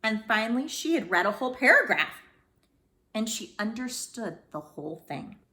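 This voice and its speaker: A woman narrating a children's storybook as a read-aloud storyteller, with dramatic, deliberate phrasing. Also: on the high side, big pitch swings, bright, forceful tone. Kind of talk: expressive scripted storybook narration.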